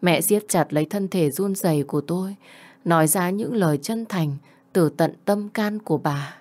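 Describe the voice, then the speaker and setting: A woman in her twenties tells a first-person family story with tender emotion. Her voice is slightly low and her delivery is heartfelt, in the manner of an audiobook narration. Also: moderate pace, darkish tone. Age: 20s.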